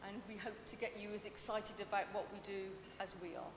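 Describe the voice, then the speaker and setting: A woman who manages museum public programmes, introducing a presentation to a council committee in a loud, upbeat voice. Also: level tone, fairly quick. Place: council chamber. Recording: echoey chamber with rumble.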